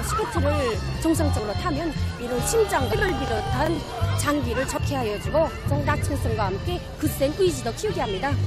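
A woman with a North Korean accent giving a prepared interview statement as a rink staff member. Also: high voice. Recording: loud music, outdoor urban ambience.

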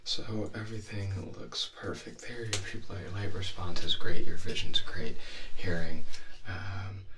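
Young male, low and gravelly, speaking softly and often whispering as a reassuring doctor for an ASMR exam roleplay. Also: measured pace, noisy background. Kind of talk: soft-spoken ASMR medical exam roleplay.

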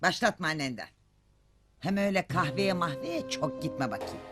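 A woman playing a sharp-tongued scolding mother. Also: on the low side, animated, normal speed, over music, natural voice. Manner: scolding, sarcastic, proverb-quoting. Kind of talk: TV film acting.

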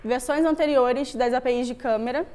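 A woman's voice: sits high, moderate pace, darkish tone. A young woman with a Rio de Janeiro Brazilian accent giving an informal tech talk in a casual, conversational manner. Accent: Rio de Janeiro (carioca) Brazilian. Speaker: Android developer, meetup speaker. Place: meetup room with wooden floor, on stage before a screen.

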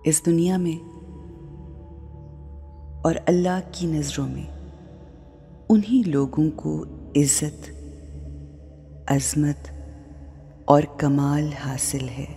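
A woman guides a meditation at an extremely slow pace, leaving long pauses between short phrases. Her tone is dark and mellow, and music plays behind her. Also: low-pitched, fairly even intonation. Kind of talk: guided meditation, spiritual talk.

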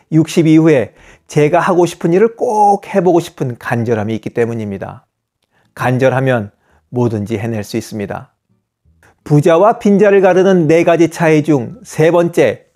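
A man in his fifties narrating a scripted voice-over with a steady, earnest, advice-giving manner. His voice sits at a middle pitch. Quiet music plays faintly beneath him. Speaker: channel host.

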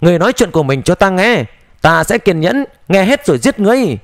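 A man voicing an ancient, emotionless male sage of destruction in an audiobook, speaking in a flat, calm, cold way. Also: high-pitched, moderate pace, no echo, studio quality. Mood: coldly calm.

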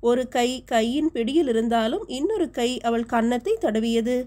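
This audiobook narrator is a woman whose mellow, warm voice sits a touch high for a woman. She reads a historical novel aloud in a steady, measured way.

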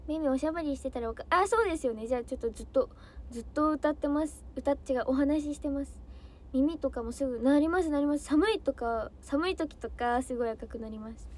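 A woman's voice: sits high, fast. A young woman, an idol trainee, chatting casually on a livestream, bubbly and easily flustered as she answers comments.

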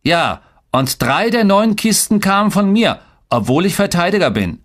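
A man's voice: sits high, big pitch swings, moderate pace, voice pushed up. A man voicing a scoffing, eager twelve-year-old boy in an audiobook story.

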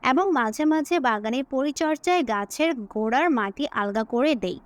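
A woman with a Bengali accent teaching English, slowly dictating phrases word by word and explaining them, asking herself questions and answering them. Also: high-pitched, animated. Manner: asks and answers her own questions. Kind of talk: slow dictation-style English lesson.

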